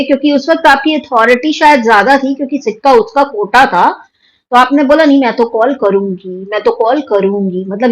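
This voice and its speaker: Indian woman host, high-pitched, scolding and indignant reaction commentary. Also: poor audio. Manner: indignant, scolding, mocking quotes. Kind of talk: heated commentary on influencer drama.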